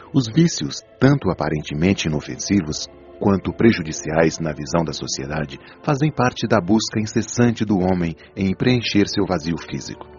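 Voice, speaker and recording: Low-voiced, patient spirit mentor played by a man. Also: darkish tone. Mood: earnest teaching. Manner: didactic, measured, solemn explanation. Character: wise, patient male spirit mentor explaining life's truths. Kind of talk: audiobook radio drama acting. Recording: dull lo-fi audio over music.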